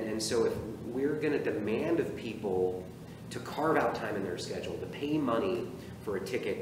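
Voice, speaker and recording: Interviewed as a guest on a theater stage, a male artistic director talks casually and animatedly, using his hands and restarting his sentences many times. His voice is medium-pitched, recorded from afar on camera with echo and noise.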